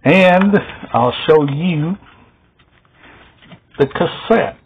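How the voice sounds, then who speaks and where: Very slow, halting middle-aged man. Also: fairly high pitch, expressive, slightly rough, lo-fi sound. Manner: halting, short phrases with long gaps. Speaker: video host showing a music collection. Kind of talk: casual show-and-tell vlog. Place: small indoor room at home.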